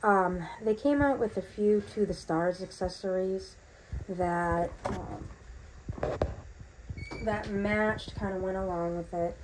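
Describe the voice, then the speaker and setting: Amid background noise, a woman with a medium-pitched voice speaks at a slow pace. The vlogger chats loosely through an unboxing in her bathroom at home, rambling with many ums, her voice not yet fully back after losing it.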